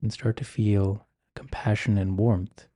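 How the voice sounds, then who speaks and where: Male meditation guide: deeply relaxed, mellow low voice, gentle ASMR-like instruction, dry intimate recording. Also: no room sound. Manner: gentle, measured, unhurried phrasing with soft instructions.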